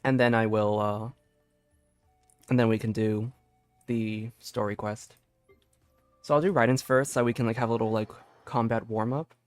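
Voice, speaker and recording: A man's voice: fairly low pitch, fairly even intonation, moderate pace, long pauses, dry recording. A man streaming a game, chatting casually and thinking aloud in a loose, rambling way. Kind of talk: casual livestream gameplay chat. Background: faint game music.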